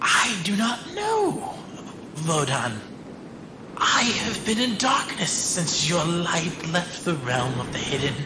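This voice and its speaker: Over loud background noise, a put-on character voice at middle pitch speaks at a fairly slow pace. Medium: audio drama. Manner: archaic, solemn, formal.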